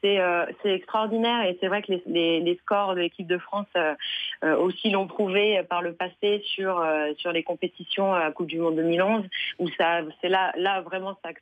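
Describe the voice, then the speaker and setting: A woman's voice: fairly low pitch, steady tone, normal speed, no room sound. Hesitant woman on dull radio. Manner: hesitant, many fillers and restarts. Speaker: guest, founder of a women's football association. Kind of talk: radio interview answers.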